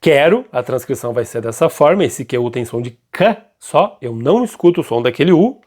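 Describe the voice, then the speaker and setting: A man teaching a grammar lesson, keeps checking in with his students and slows down to stress key points. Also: mid-range voice, lively intonation, darkish tone. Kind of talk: classroom-style grammar lesson.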